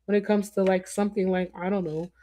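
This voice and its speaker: A woman's voice: mid-range voice, flat delivery, quick pace, dark tone. Rambling woman chatting to her stream. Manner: rambling, conversational, with restarts and asides. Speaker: livestream host. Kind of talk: casual commentary to viewers.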